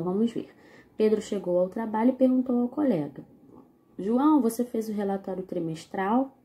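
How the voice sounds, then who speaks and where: A woman's voice: mid-range voice, warm tone. A woman teacher, giving a recorded video lesson and explaining step by step to her class. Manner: slow, deliberate explaining, addressing the class directly.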